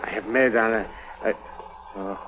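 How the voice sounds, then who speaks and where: An actor playing a nervous, wheedling little Greek black-marketeer with a Greek accent and halting, fussy English in an old-time radio drama. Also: male voice, fairly low pitch, fairly even intonation, lightly acted. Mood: wary, confiding. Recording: muffled, noisy vintage radio recording.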